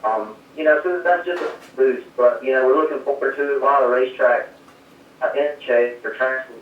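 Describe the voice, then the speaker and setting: Over a fading, breaking phone connection, a man from South Carolina, USA, who works as a race crew chief, humbly answers questions from home. He talks in a mid-range voice at a moderate pace, with slight hiss or hum on a dull, distant, echoey line.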